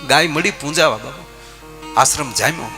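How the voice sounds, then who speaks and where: A man telling folk comic stories on stage, lively and addressing his listeners directly. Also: on the high side, normal speed, over music. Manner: lively, animated, addressing audience as "bapu" and "saheb". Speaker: folk comedian storyteller. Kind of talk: stage folk humor storytelling.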